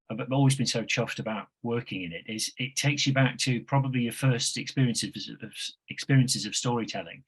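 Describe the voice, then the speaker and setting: A man with a husky, medium-pitched voice speaks as a radio producer in conversation on a video call. He is reflective, pauses often and repeats a phrase to drive it home. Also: low-quality recording. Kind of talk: conversational panel talk on an online call.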